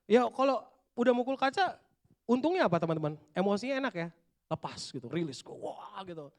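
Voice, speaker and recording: A male youth pastor preaches in casual street slang. He swings between low, hushed asides and sudden shouted bursts, talking straight to a young crowd in a church. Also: big pitch swings, a little fast. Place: church hall.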